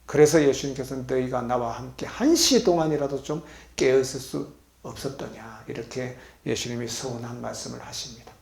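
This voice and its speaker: A man preaching as a pastor, leading the congregation in reading and call-and-response, moving between loud exclamations and soft low asides. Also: creaky. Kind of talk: sermon with congregation reading along. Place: healing center meeting hall. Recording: echoey hall.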